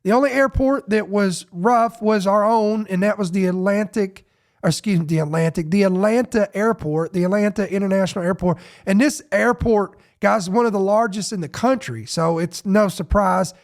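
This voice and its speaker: Sniffly high-voiced man hosting a podcast. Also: moderate pace. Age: adult parent. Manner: rambling, off-the-cuff, many restarts. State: sniffly with a head cold. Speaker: podcast host. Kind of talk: casual news podcast chat.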